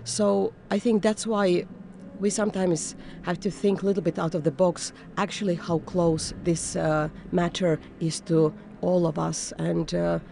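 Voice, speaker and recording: Conductor woman raised in Finland, earnest interview answers, gravelly edge, halting phrasing. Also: fairly low pitch, steady tone, mellow, slight background noise. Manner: earnest, searching for words with restarts.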